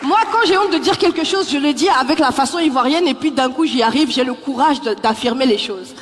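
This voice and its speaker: A woman from the Paris suburbs doing a live stand-up set. She is lively and teasing and talks straight to the audience. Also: high-pitched, fairly quick. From Paris suburbs, France. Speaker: stand-up comedian. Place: live comedy stage in a theatre. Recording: echoey hall, faint crowd noise.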